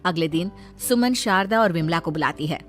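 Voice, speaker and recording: A woman narrating a cartoon moral story in an even storytelling manner. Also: fairly low pitch, normal speed, faint music behind.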